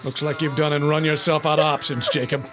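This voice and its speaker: Man playing a high-pitched menacing father. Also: little pitch movement, quick pace, over music, lightly acted. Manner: taunting, commanding. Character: menacing, domineering father, a small-town captain. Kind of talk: audio drama acting.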